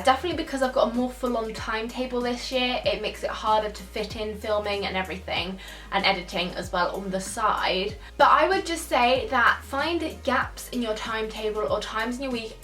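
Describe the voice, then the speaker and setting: A woman's voice: on the high side, fairly bright tone, recorded from a distance. A twenty-year-old woman who grew up in Spain, chatting casually through viewer questions and thinking aloud as she goes. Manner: chatty, thinks aloud, laughs now and then. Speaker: YouTuber answering viewer questions. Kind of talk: casual Q&A chat. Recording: echoey room, voice a bit off-mic, faint music.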